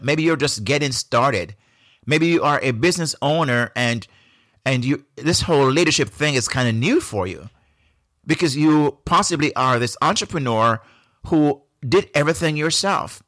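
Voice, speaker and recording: A man with a Jamaican accent talks through his thoughts on his own podcast, unhurried and reflective, often restarting his sentences. His pitch sits in a middling range, and the recording is close and dry with no room sound. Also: lively intonation, a bit bright, no room sound. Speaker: podcast host. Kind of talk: solo podcast monologue.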